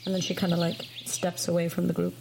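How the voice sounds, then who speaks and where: A woman playing a tabletop game, narrating her character casually and haltingly with many filler words. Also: on the low side, completely flat delivery, vocal fry, a little mellow, a little hiss or hum. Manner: halting, heavy use of "like".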